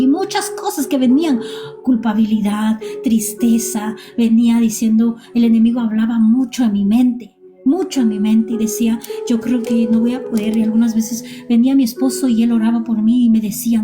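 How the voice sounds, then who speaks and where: High-voiced woman testifying over worship music. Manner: emotional, repeats phrases, addresses listeners as brothers and sisters. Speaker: church member giving testimony. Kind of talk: church testimony.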